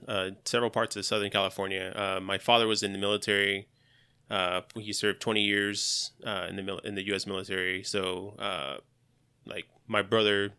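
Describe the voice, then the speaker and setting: A man's voice: on the low side, pushed and bright, smooth. A man in his thirties, a podcast guest, talking in a laid-back, joking way with lots of hesitant fillers. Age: 30s. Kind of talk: casual podcast conversation.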